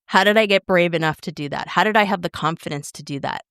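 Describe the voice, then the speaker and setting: A woman in her fifties, co-hosting a podcast, telling stories in an animated way and acting out quotes. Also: on the low side, fast talker, clean tone, dry recording, studio quality. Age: 50s. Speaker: podcast co-host. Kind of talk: casual chat, storytelling.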